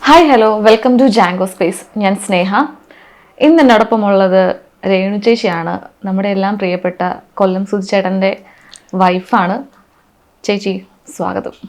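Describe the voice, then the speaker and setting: A woman hosts an interview in a mid-pitched, even voice. She asks her questions gently and keeps her guest talking with soft murmurs of agreement. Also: a little slow, long pauses. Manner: gentle, prompting with soft affirmations. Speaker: host. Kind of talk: interview hosting.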